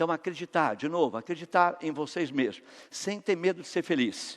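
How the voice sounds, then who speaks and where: The man's voice is high and animated, with ordinary pitch variation at a moderate pace. The recording is very clean, with a silent background. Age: 60s. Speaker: company founder, speaker. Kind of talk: motivational talk.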